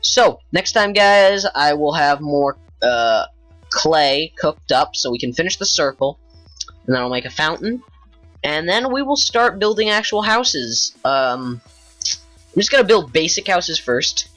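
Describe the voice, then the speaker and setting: A man's voice: a little high, very animated, unhurried, a bit bright, no room sound, soft background music, low-quality recording. A man giving casual gameplay commentary, rambling offhand and thinking aloud with many fillers, sounding tired. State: tired, yawning. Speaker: gaming YouTuber.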